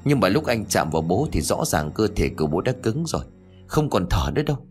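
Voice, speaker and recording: A male storyteller reads a scripted tale in a lowish voice. His delivery is expressive and dramatic, with pitch that rises and falls a lot. Soft music plays faintly underneath. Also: brisk.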